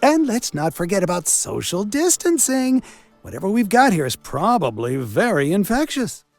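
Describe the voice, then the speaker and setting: A man's voice: sits high, huge pitch swings, normal speed, gravelly, no room sound, full character voice. A sarcastic country coroner in a video game, who fancies himself a man of science. His delivery is theatrical and full of wisecracks, swooping up and down constantly over background music. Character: sarcastic village doctor and coroner, self-styled man of science. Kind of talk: video game character acting.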